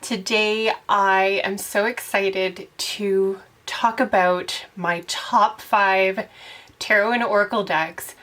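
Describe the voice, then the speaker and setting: A woman's voice: mid-range voice, fairly even intonation, takes it slowly, fairly bright tone. A young woman with a congested voice from a cold, chatting casually as host of her own channel. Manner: chatty, rambling, laughs often. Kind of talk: casual chat to camera.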